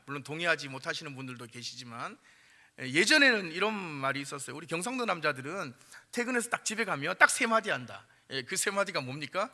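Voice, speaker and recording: A middle-aged man preaching a sermon in a chatty style with many fillers, growing louder and higher when he stresses a point. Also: in a large hall. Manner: conversational, frequent fillers, rises in pitch and volume when emphasizing. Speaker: pastor.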